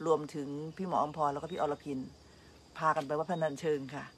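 A woman meditation teacher giving a relaxed, chatty dhamma talk, telling stories with frequent laughter. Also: low voice, fairly quick, slight background noise.

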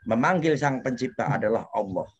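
A man's voice: mid-range voice, lively intonation, moderate pace, breathy edge. A man, an interview guest, telling his life story with feeling, his voice rising when the story gets tense. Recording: dull lo-fi audio, faint noise.

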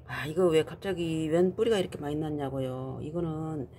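A woman's voice: low voice, steady tone, moderate pace, mellow, a little hiss or hum. Chatty woman hosting a plant vlog. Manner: chatty, exclaims often in delight. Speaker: channel host. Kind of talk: casual plant-care vlog.

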